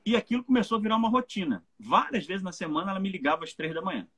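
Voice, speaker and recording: Speaking earnestly in a live church talk, this Brazilian male pastor has a high-sitting, animated voice that races along with a sharp tone and a breathy edge. He often checks in with the congregation, repeatedly asking "né?" and "entende?".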